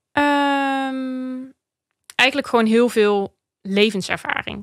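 A woman speaks with a Limburg accent. The sound is dry with no echo, over a quiet background. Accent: Limburg-accented Dutch. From Limburg, Netherlands. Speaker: business coach, former beauty queen. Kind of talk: casual interview chat. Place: studio. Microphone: studio mic.

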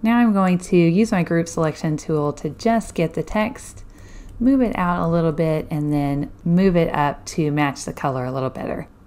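A woman speaks with a plain, everyday voice at a fairly low pitch. Her intonation is lively and her pace moderate. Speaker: graphic design tutor. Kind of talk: tutorial.

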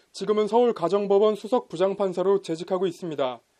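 A man's high voice has a dark, mellow tone and fairly even intonation. He talks at a fairly quick pace against a quiet background. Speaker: news reporter. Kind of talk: news report. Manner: formal.

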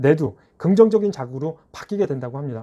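A man speaks at a very fast pace with lively intonation. His tone is dark and mellow. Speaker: self-help YouTuber and motivational author. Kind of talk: scripted motivational talk. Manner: formal.

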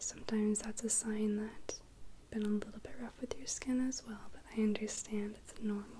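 Soft-spoken, a woman talks in a monotone, flat intonation. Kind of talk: soft-spoken roleplay. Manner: soft, hushed ASMR voice. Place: home room.

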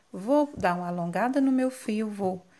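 Speaking with a Brazilian accent, a woman uses lively intonation. Her pace is fairly slow. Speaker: crochet tutorial creator. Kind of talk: tutorial. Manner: explanatory, friendly, slow and paced.

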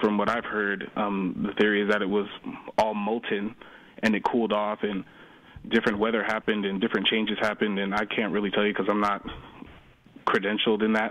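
A man with an American accent talks at a very fast pace in a flat monotone, his pitch fairly low. Long pauses come often. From US Midwest, Minnesota. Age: 20s. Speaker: caller. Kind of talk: phone-in discussion. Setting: phone call. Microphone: phone line.

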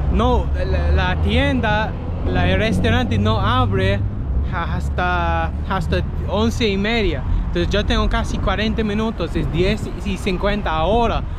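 A man at a fairly slow pace, dry sound with no echo, loud background noise around him. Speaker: travel vlogger. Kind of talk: casual vlog chat. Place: street. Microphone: phone near.

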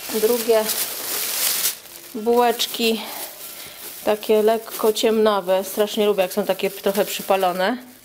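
Very slow, monotone and flat speech from a fairly high-pitched woman, with long, frequent pauses and noticeable background noise. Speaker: vlogger. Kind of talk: casual vlog, grocery haul. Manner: chatty, hesitant with fillers.

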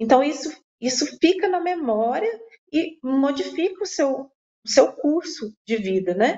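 Against a quiet background, a woman speaks at a very slow pace in a high pitch with very wide pitch swings. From Minas Gerais, Brazil (Piuí). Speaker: biologist. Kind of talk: radio interview. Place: home room. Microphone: video call.

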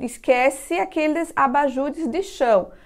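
Over a quiet background, a woman talks at a high pitch and a fairly slow pace with ordinary pitch variation. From Brazil. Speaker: architect. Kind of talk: tutorial. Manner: casual, conversational with filler hesitations. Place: home room. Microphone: lapel.

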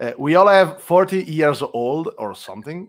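Lively intonation marks a man speaking at a fairly slow pace with an Italian accent. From Italy. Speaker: livestream host for a game publisher. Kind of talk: casual live game stream chat. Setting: online livestream with screen share. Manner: animated.

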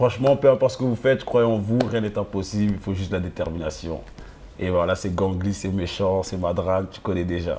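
Speech at a moderate pace with ordinary pitch variation comes over light background noise. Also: man. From France, Essonne (Évry-Grigny); France. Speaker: rapper; interviewee. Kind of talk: interview. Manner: halting. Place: bar.

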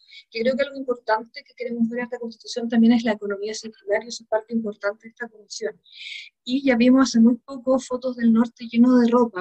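A woman's dark, mellow voice at a very fast pace, with fairly even intonation over a quiet background. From Chile. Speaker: constitutional convention delegate. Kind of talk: committee deliberation. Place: home room. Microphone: video call.

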